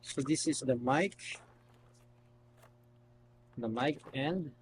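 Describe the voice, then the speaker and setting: Guy hosting an unboxing, slow n halting, kinda thinking out loud, bit of noise behind him. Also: medium pitch. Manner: halting, thinking aloud while handling items. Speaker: video host. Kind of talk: casual unboxing commentary.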